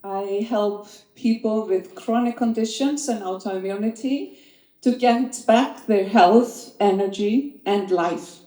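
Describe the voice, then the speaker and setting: A woman's voice: medium pitch, takes it slowly, warm tone. A woman from Iceland, a health coach, introducing herself cheerfully on a panel. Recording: echoey event room.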